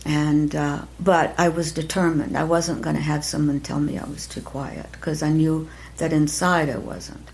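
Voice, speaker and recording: An older woman, an acting teacher, talking reflectively in an interview, soft-spoken and halting, with many pauses and restarts. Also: low voice, little pitch movement, a little hiss or hum. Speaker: acting teacher, podcast guest.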